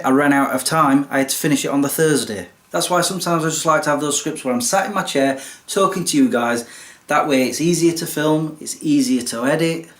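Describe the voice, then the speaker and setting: A young man casually explaining, step by step, how he films and edits his videos, with a self-deprecating manner. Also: on the high side. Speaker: YouTube creator. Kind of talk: casual behind-the-scenes explanation. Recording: roomy echo.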